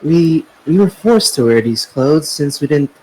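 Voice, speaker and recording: A man's voice: a little high, lively intonation, unhurried, mellow, breathy edge, poor audio. A man narrating a web novel chapter aloud on a podcast, stumbling and correcting himself as he reads. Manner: narrates with frequent slips, self-corrections and laughter.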